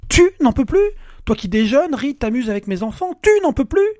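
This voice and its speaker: A man voicing an obsessive middle-aged husband who presses, accuses and breaks into shouting at his wife. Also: a little high, lively intonation, brisk, slightly rough, dry recording, clean studio sound. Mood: furious.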